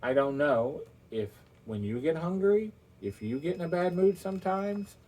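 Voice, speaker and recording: A man's voice: on the high side, expressive, normal speed, darkish tone, poor audio. A man reading a children's story aloud in a theatrical way, drawing out words for emphasis and speaking directly to his listeners. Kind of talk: animated children's story narration.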